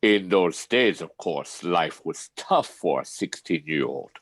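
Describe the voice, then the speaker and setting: A man's voice: deep voice, animated, slow pace, fairly bright tone, dry recording, heavily acted. A man playing an ancient, grave vampire who drawls dramatically as he reminisces in a comedy table read. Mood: grave, theatrical.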